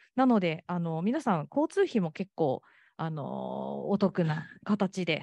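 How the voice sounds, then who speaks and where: A woman is recorded with a dry sound, no echo and a quiet background. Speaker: event moderator. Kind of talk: information session presentation. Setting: live event venue with audience. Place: hall. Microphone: handheld.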